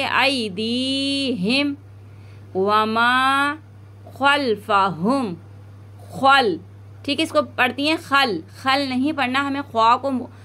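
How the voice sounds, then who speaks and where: In a bright, forceful, high voice, a woman leads a step-by-step Quran recitation lesson, lengthening each word slowly for students to follow before giving a quick explanation. Her accent is South Asian Urdu.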